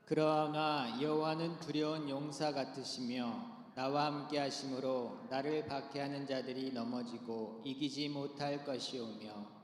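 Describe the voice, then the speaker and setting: A man reads a scripture passage aloud, slow and solemn. His voice sits at a middle pitch. The room is roomy, with a long reverb behind every line. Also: fairly even intonation. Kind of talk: scripture reading.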